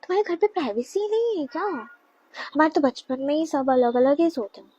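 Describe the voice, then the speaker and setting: A woman's voice: high voice, animated, a little fast, warm tone, dull audio. A woman in a comedy skit, teasing and nagging playfully. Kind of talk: comedic role-play skit.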